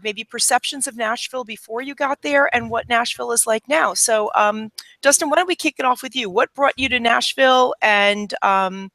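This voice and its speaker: Bright-voiced chatty woman from New York. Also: on the high side, no echo. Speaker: co-host, marketing lead. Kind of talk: casual panel chat.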